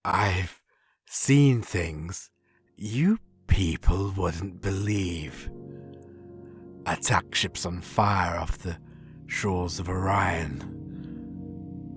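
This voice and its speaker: A man playing a weary, dying android soldier, speaking huskily in a halting, solemn, elegiac science fiction monologue. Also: low voice.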